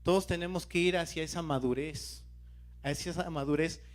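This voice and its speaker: A man's voice: on the high side, fairly even intonation, normal speed. A man preaching a sermon as a lay preacher, who questions his congregation and keeps calling out to them. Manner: questions the congregation and urges them to stay alert.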